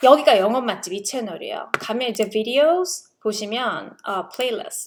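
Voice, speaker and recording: Speaking at a fairly quick pace, a woman has a fairly high pitch. Her intonation is lively. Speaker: professor. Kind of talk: lecture. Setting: recorded online lecture video. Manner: fast.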